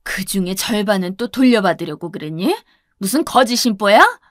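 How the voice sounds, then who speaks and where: A woman's voice: medium pitch, lively intonation, a little slow, no room sound, studio quality. A woman voicing a haughty, furious middle-aged future mother-in-law who berates with contempt. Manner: contemptuous, shouting.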